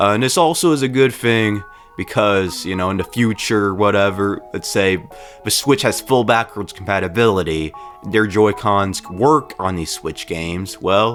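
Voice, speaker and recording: Male voice at a moderate pace with ordinary pitch variation and music in the background. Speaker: gaming video creator. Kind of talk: casual talk to camera. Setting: far from microphone. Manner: rambling.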